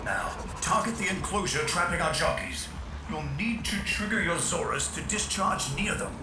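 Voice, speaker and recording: An actor playing an allied mission guide in a video game, instructive and emphatic. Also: male voice, high voice, animated, normal speed, reverberant, heavy background noise. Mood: urgent.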